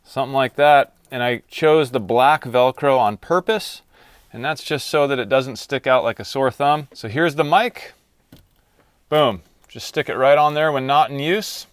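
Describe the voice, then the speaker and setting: A man's voice: fairly high pitch, no room sound. A man hosting a casual how-to vlog, talking in an informal, plain-spoken way. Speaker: video host installing car gear. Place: in and around a car in a garage.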